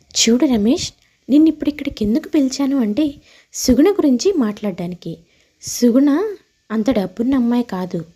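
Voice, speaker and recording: A woman voicing a protective, persuasive young woman who speaks frankly and insistently for her friend in an animated moral story. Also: a little high, moderate pace, long pauses, slightly rough. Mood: frank, testing.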